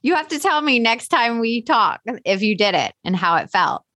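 A woman's voice: fairly high pitch, big pitch swings, moderate pace, pushed and bright, no room sound, studio quality. A woman hosting an interview, effusive and direct, pressing her guest with questions and encouragement. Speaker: host.

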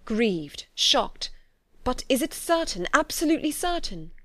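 A woman voicing a courteous gentleman from a period novel, earnest, formal and full of concern. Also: medium pitch, lively intonation, quick pace, no echo, lightly acted. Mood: shocked, grave. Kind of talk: dramatic audiobook character acting.

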